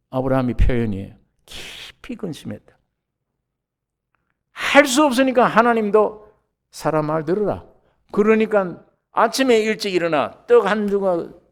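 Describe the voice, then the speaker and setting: A middle-aged man preaching a sermon as pastor, lively and animated, acting out the voices he quotes with sudden rises in pitch and volume.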